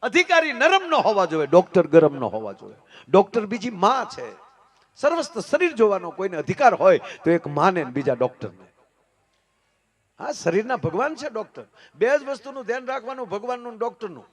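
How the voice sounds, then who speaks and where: Folk comic; moves from hushed to booming and preachy. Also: male voice, big pitch swings, fairly quick. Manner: swings from hushed asides to loud preachy declamation. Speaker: folk comedian and storyteller. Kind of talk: folk humor stage storytelling.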